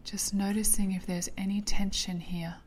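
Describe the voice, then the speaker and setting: A woman narrating a guided sleep meditation in a soft, breathy, half-whispered, soothing way, like a sleep story narrator. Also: mid-range voice, level tone, normal speed, a little hiss or hum.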